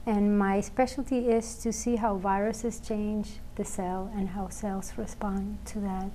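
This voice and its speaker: A woman from Venezuela speaking as a biology professor on a panel, measured and matter-of-fact. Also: medium pitch, little pitch movement, mellow, slight background noise, rough recording. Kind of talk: panel discussion.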